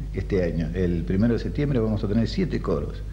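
A man speaking at a fairly quick pace over light background noise. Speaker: guest. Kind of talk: interview answer. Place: studio.

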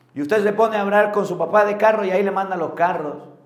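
A man at high pitch and a very fast pace, with ordinary pitch variation and audible room echo. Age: 30s. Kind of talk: sermon. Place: church. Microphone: lapel.

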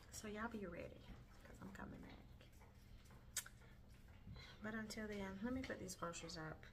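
A woman speaks at a moderate pace with long, frequent pauses, over noticeable background noise. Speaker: lifestyle vlogger. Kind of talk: grocery haul vlog, casual monologue. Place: kitchen. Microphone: phone near.

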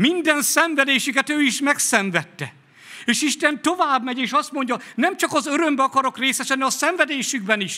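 A man's extremely high, raised and projected voice with a bright, sharp tone, over a quiet background. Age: 50s. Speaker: guest preacher. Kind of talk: sermon. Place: church. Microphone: podium.

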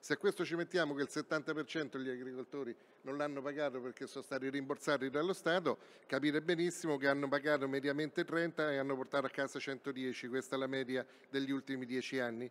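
This man has a normal speaking voice, fairly high in pitch, delivered with fairly even intonation at a fairly quick pace. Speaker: agricultural insurance association director; speaker. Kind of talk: conference speech. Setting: stage with audience. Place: hall. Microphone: podium.

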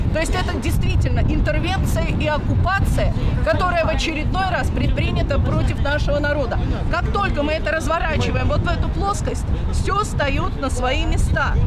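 Over crowd noise in the background, a woman speaks at a moderate pace. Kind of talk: impassioned street speech. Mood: earnest, argumentative. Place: street.

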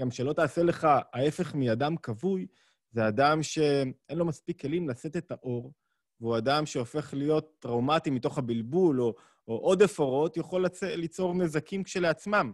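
Against a quiet background, a man talks at a moderate pace with a fairly high pitch and ordinary pitch variation, the sound dry with no echo. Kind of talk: online lecture. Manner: moving around while speaking. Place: home room. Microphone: studio mic.

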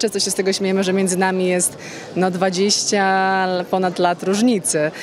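Over light background noise, a woman speaks with monotone, flat intonation in a dry sound with no echo. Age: 20s. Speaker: TV presenter; television presenter. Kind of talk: interview. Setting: outdoors at racetrack event. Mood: warm, reflective. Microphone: handheld.

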